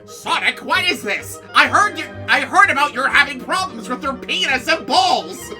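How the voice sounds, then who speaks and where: High, animated woman reading dramatically. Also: moderate pace, soft background music. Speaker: co-host reading fan fiction aloud. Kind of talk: comic dramatic reading with banter.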